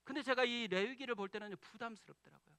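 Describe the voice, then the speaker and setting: Male pastor, high bright voice, heartfelt testimony style, dry close mic. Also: fast, smooth, no room sound. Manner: emotional personal storytelling. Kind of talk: sermon.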